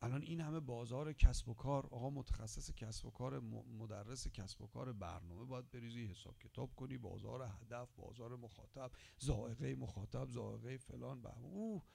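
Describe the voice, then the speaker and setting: A man preaching a Muharram sermon, impassioned, firing rhetorical questions and swinging between loud exhortation and hushed whispers. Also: mid-range voice, creaky, few pauses, breathy edge. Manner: rhetorical questions pressed on the listener.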